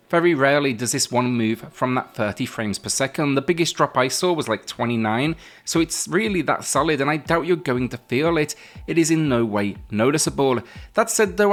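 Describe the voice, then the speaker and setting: A man presenting a video game review in a conversational but scripted narration, speaking in measured phrases with emphatic openings to his sentences. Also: medium pitch. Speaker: game reviewer, channel host. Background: music.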